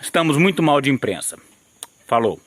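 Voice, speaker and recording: A man's voice: medium pitch, very animated, moderate pace, a little hiss or hum. A man with a Brazilian Portuguese accent, hosting his own channel and commenting on a newspaper article. He talks with indignation, restarting often and tagging on questions. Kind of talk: opinionated video commentary.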